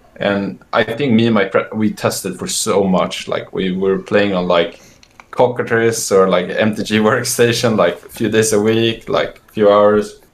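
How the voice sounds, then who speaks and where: Against noticeable background noise, a man speaks at a fairly slow pace, his fairly low pitch held in fairly even intonation. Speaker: professional card game player. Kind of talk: casual interview.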